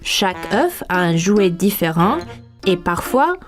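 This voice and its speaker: A woman's voice: on the low side, very animated, takes it slowly, music in the background. A woman voicing a friendly, helpful girl who explains a toy in a children's cartoon.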